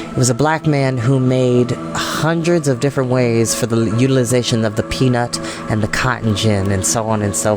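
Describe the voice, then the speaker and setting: An American man hosting a storytime show, talking informally and earnestly to online viewers with emphatic, repeated phrases. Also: medium pitch. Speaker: host of a storytime reading show. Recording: soft meditation music behind the voice. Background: meditation music.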